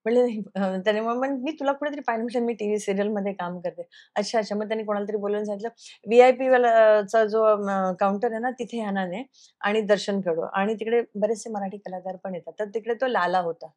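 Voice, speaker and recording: Earnest actress telling a personal story. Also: female voice, mid-range voice, quick pace, darkish tone. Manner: earnest, recounts events by acting out quoted dialogue; slips English phrases into her speech. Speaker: television actress, interview guest.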